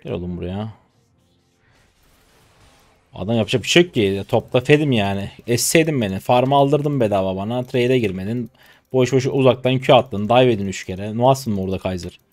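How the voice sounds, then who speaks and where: A man in his twenties from Turkey giving casual live commentary on his own gameplay, chatty and trash-talking, with sudden loud excited shouts, on a close desk mic. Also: mid-range voice, brisk, no room sound. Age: 20s. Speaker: gaming streamer.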